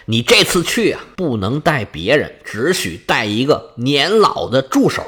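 A man voicing a divine messenger goddess, giving brisk, bossy instructions. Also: mid-range voice, very animated, fairly bright tone, voice pushed down. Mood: instructing.

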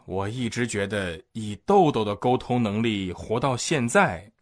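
A man hosting a comedy talk show, telling stories in a lively scripted monologue. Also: lowish voice, unhurried. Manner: lively storytelling. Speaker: host.

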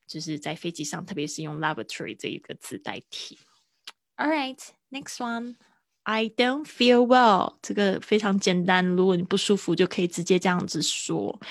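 Lowish-voiced woman teaching English phrases. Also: no echo, studio quality. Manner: explains patiently, repeats English phrases slowly and clearly; casual asides with fillers and small laughs. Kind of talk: livestream language lesson.

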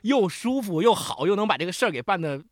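Male podcast panelist, higher-pitched and very lively in intonation, retelling stories in detail for a casual book chat. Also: fast, dry recording, clean studio sound. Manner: retells scenes in detail, quoting characters. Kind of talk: animated casual book discussion.

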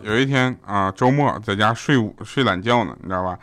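A man who hosts an audio show and delivers a stand-up comedy monologue. He builds deadpan setups into quick punchlines and often turns to the listener with "you know?". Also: lowish voice, soft background music.

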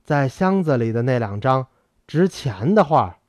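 A man voicing a weary, gentle old scholar. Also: medium pitch, very animated, a little slow, dry recording, pitched below the performer's own voice. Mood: urgent questioning. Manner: soft-spoken, earnest pleading. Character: aging male scholar, gentle, weary, grieving. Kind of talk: audiobook character voice.

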